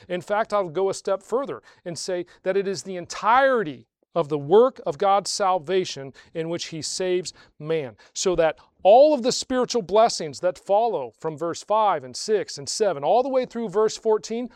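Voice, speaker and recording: A man preaching a sermon to a congregation, asking rhetorical questions and slowing down to stress key phrases. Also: high voice, no echo, studio quality. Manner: swells louder on key phrases, slows for emphasis. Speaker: pastor.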